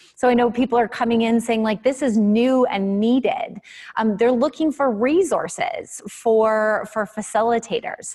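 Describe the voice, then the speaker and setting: A woman with a Canadian accent speaks at a moderate pace and a fairly high pitch, in a dark, mellow tone with very even loudness. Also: ordinary pitch variation. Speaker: panel facilitator. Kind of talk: online conference presentation. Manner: halting, many fillers.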